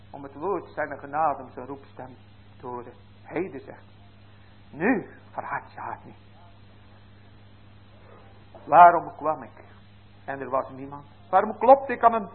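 Man preaching over a tinny line. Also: on the high side. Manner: swings from quiet to raised emphatic appeals. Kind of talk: sermon. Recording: tinny phone-like church recording.

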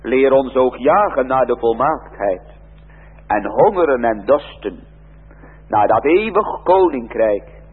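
Male pastor, slow solemn pulpit prayer, husky voice, tinny lo-fi church recording. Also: mid-range voice, lively intonation, big-room sound. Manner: slow, measured and earnest, old church diction.

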